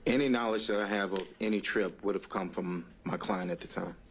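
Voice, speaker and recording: Low, gravelly man giving guarded testimony. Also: a little hiss or hum. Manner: guarded, hesitant, deliberate. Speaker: witness testifying in court. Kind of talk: formal courtroom testimony.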